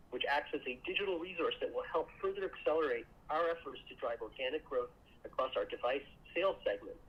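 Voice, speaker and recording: A man in the role of a company executive reads a scripted earnings presentation in a formal, measured way. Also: mid-range voice. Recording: muffled call audio with clear noise.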